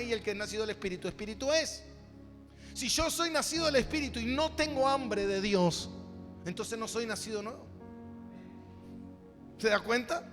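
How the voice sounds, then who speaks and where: Guy pastor preaching bible stuff, really high voice, repeats himself hard, music behind him. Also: fairly bright tone. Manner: emphatic, repetitive, rhetorical questions to congregation. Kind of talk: sermon, Bible teaching. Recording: echoey hall, music behind the voice.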